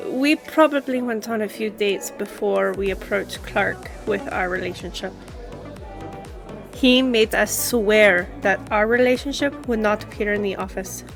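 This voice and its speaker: A woman playing a Latina lawyer in an audio roleplay, telling of her past love with deliberate pauses. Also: medium pitch, lightly acted. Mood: reflective. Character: warm Latina lawyer reminiscing over drinks about past love. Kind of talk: scripted conversational audio roleplay.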